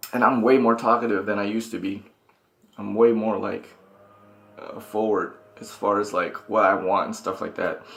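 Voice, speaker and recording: Mumbling at a moderate pace, a man leaves long, frequent pauses and swings widely in loudness. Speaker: vlogger. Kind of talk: casual vlog monologue. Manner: halting, self-interrupting.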